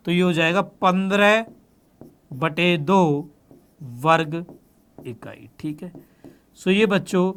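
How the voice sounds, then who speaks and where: A man with a high-pitched voice teaches a maths lesson, talking students through each step of the working. He checks in with them often and calls them in fondly. His delivery stays patient and methodical as he explains. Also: fairly bright tone. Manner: addresses students as beta and bachche, frequent check-ins.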